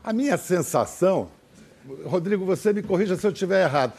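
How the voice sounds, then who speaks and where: Talk show host guy, husky, bouncy questions, jokes around. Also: sits high, a little fast. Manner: animated, curious, joking questions. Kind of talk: casual interview chat.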